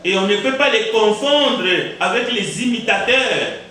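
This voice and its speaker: Heavy reverb and a distant mic capture this man's high, bright, forceful voice as he preaches in a church sanctuary. A pastor who speaks Kizimba as his first language, he drives his points home with repeated words, rhetorical questions and deliberate pauses.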